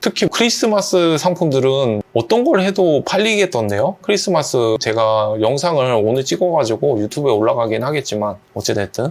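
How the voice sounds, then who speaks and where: Speaking at a moderate pace with hardly any pauses, a man uses a fairly high pitch with very wide pitch swings and very even loudness. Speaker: online seller coach. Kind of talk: live online lecture.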